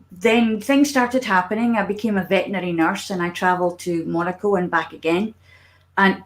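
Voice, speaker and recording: A woman with a Scottish accent, a guest storyteller talking about her work in a relaxed, lively video chat. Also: on the low side. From Scotland.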